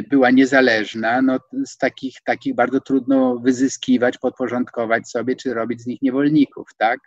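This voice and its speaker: A man in his sixties giving an online lecture from a home study, hesitating with many fillers and stressing words with rising pitch. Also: dry recording. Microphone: video call. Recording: dull, dry video-call audio.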